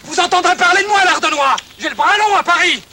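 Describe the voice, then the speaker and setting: High-voiced pompous general. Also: male voice, fast talker, very noisy. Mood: threatening. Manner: pompous, commanding. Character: indignant, pompous superior scolding a subordinate.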